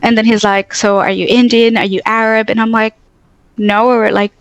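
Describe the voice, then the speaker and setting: A young woman from Tanzania with a mostly American accent tinged with Australian and English, telling stories in a talkative, animated way as a guest in a casual interview. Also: a little high, moderate pace, no echo. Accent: mostly American with Australian and English touches. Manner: talkative, animated storytelling with many "like" fillers.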